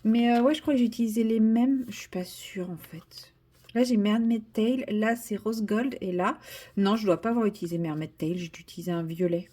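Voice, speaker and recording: Seated at her desk indoors, a French woman colors and chats in a relaxed vlog recorded on a tripod camera. She speaks at medium pitch, a bit quickly and warmly, teasing herself and now and then slipping into a whisper.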